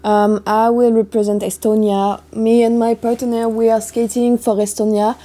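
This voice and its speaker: A young woman from France speaking English with a French accent, chatting casually in her vlog with a hoarse morning voice. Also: on the high side, little pitch movement, moderate pace, warm tone. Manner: chatty, upbeat, loose non-native phrasing. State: hoarse from just waking up. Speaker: athlete vlogger.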